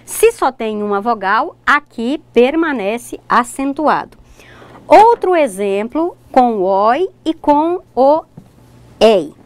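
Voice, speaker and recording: A woman teacher leads a recorded online lesson, her fairly high voice swinging widely in pitch. She explains examples step by step and talks straight to her students, often checking that they follow. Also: expressive, takes it slowly, dry recording. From Brazil. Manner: addresses students directly, points at examples. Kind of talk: recorded distance-learning lesson.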